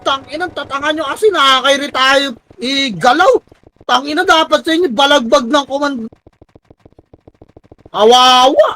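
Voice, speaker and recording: A woman shot-calling her team during live gameplay, barking rapid commands, swearing constantly at her teammates, and often shouting in exasperation. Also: very high voice, low-quality recording. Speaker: team commander in an online strategy game.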